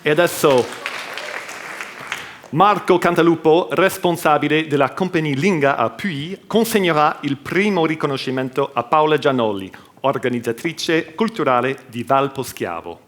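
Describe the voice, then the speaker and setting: A male announcer introduces the winners from the stage in a formal way. His voice is a little high and comes through room sound. Audience murmur and background noise fill the hall. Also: moderate pace, fairly bright tone. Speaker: ceremony announcer. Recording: far-off PA with crowd noise.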